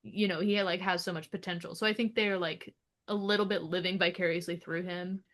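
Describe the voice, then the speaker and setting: A woman's voice: fairly low pitch, steady tone, a little fast, a bit bright. Woman, podcast co-host, casual and chatty, quotes scenes with lots of laughs. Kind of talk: casual chat about a film.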